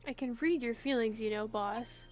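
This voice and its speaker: A woman with a high voice joins a game playthrough as co-player. She chats casually and reads out character lines into a headset mic. Game music plays faintly behind her. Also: normal speed, darkish tone. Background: video game music.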